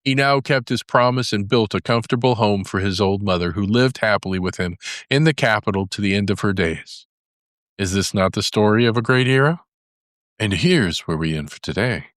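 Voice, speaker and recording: A man's voice: fairly low pitch, fairly bright tone, no room sound, studio quality. A man narrating a scripted fairy tale for young listeners as a storyteller.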